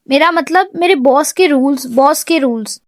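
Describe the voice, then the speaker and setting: A stubborn, hot-tempered young woman, played by a woman narrator in a storybook reading, sulking and pleading by turns. Her voice sits high and bright, recorded close and dry. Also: dry recording, lightly acted. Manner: sulky, pleading, shouting in outbursts.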